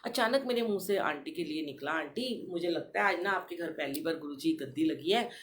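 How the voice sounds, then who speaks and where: A middle-aged woman hosting a devotional podcast, telling a personal story in an animated way and addressing the listeners directly. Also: deep voice, fairly quick, slight background noise. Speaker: satsang podcast host.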